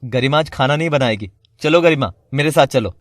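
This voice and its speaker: Man as a firm young husband, mid-pitched, dry close sound. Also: a little fast, dry recording, natural voice. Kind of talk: Hindi family drama voice acting.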